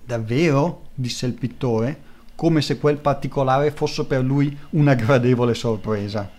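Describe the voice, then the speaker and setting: A man's voice: mid-range voice, measured pace. Man narrating a literary novel. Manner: steady, literary storytelling. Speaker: audiobook narrator. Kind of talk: scripted narration.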